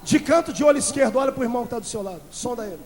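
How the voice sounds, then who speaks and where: Fiery high-voiced Brazilian preacher shouting. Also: male voice, very fast, a little hiss or hum. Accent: Brazilian Portuguese. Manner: shouting, fiery and confrontational, dropping to low intense tones. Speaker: pastor. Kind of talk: Pentecostal sermon. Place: large church. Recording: long hall echo, old VHS tape.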